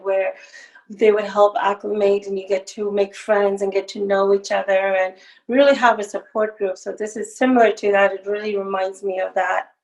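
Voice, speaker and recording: A woman podcast host who leads a calm guided meditation and then asks interview questions. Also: medium pitch, rough recording. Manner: soothing, slow guided breathing.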